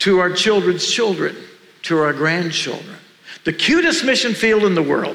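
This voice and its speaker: Raising and projecting his high-pitched voice, a man speaks with lively intonation over noticeable background noise. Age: 70s. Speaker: pastor. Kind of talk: sermon. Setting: church.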